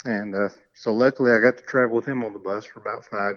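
A quiet man's voice at a medium pitch, with ordinary pitch variation and a dry, close sound with no echo. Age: 40s. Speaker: Southern Gospel bass player and singer. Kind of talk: casual interview. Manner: laid back, quiet.

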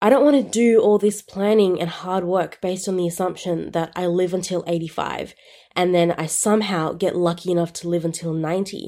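In an Australian accent, a woman speaks at a moderate pace with a dark, mellow tone and medium pitch. Her pitch varies in an ordinary way, and the recording is very clean with a silent background. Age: 20s. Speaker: podcast host, chartered accountant. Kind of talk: solo educational podcast.

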